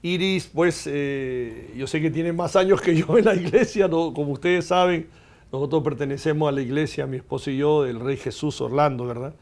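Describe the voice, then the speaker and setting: Middle-aged guy hosting a christian tv show in a studio, pretty high voice, keeps saying verdad. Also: normal speed. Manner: warm, effusive, peppered with "¿verdad?". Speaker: host. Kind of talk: Christian TV interview.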